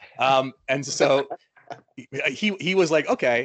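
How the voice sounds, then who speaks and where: The sound is dry and close, with no echo. A man speaks with a Manitoban accent. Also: quiet background. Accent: Canadian (Manitoba). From Winnipeg, Canada. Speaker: filmmaker. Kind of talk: guest talk to students. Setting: video call.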